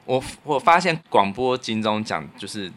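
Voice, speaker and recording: A man with a Taiwanese Mandarin accent chatting casually and in an animated, opinionated way as a podcast host. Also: on the low side, normal speed. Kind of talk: casual chat.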